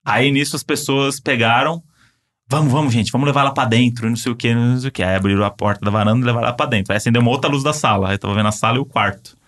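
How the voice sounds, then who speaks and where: A man with a Brazilian accent telling a story in casual chat, animated and full of fillers. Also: medium pitch, very fast. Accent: Brazilian Portuguese.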